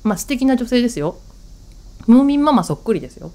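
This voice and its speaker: A woman hosting a radio talk show, chatting on her own and telling a family story in an animated way, acting out what her relatives said. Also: on the high side, fast talker. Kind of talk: casual solo storytelling.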